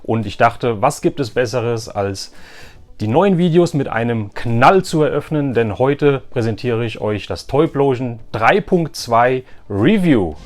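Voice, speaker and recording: A male vlogger from Germany with a medium-pitched voice speaks directly to his audience. His delivery is casual and chatty, with an enthusiastic, conversational flow suited to a hobby recap video. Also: expressive, measured pace, darkish tone, soft background music. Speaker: YouTube vlogger and toy collector.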